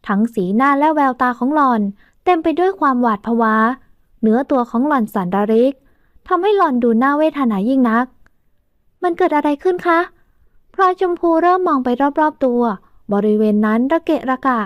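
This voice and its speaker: A woman narrating an audio novel with steady, even storytelling. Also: sits high, brisk, no room sound. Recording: dull dry studio recording.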